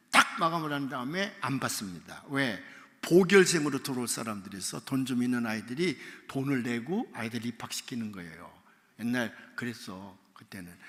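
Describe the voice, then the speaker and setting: A man preaching a revival sermon in a church, telling a story and acting out its dialogue, sometimes shouting and crying out the lines. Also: medium pitch. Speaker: pastor. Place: church sanctuary. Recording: church hall reverb.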